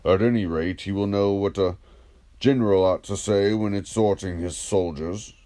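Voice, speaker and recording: A man reading the part of a patient, ironic, probing philosopher in a dramatised dialogue, in a measured, declamatory, questioning manner. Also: low-pitched, fairly even intonation, mellow, natural voice.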